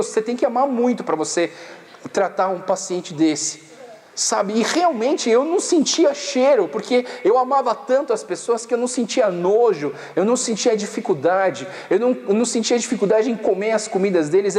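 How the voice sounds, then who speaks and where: Lively laughing pastor in a reverberant hall. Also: male voice, high voice. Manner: lively storytelling with frequent laughter. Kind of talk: sermon. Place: camp meeting hall. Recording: long reverb of a large hall.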